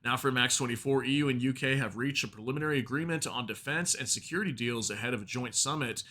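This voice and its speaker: A man's voice: mid-range voice, fast talker, sharp tone. A man hosting a news video, reading out reports and adding informal commentary addressed straight to viewers.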